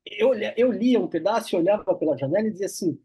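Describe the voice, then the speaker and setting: A man's voice: high voice, animated, fast, mellow, slightly rough, no echo, muffled recording. A man hosting an interview, reflecting thoughtfully and sharing a personal anecdote with his guest. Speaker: interview host. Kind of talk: casual interview chat.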